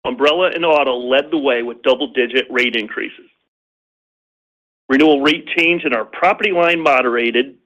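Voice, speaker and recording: A man's voice: medium pitch, a bit bright. A man reading a scripted financial presentation on an earnings call as a company executive, in a formal, businesslike way. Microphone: conference call line. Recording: slightly dull lo-fi call audio.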